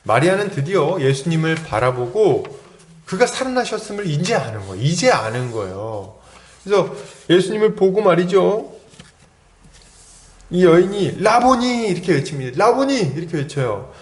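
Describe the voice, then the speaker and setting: A man's voice: on the high side, sing-song, moderate pace, reverberant. A man preaching an expository sermon as pastor. He tells the story, acts out the quoted lines and keeps asking the congregation questions.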